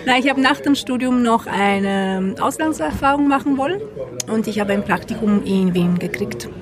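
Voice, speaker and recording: A woman's voice: on the high side, expressive, moderate pace. A woman from Italy with an Italian accent, speaking German as a podcast guest in a casual chat, hesitant with many fillers. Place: outdoor wine tavern with other guests around. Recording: clear crowd noise behind. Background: crowd chatter.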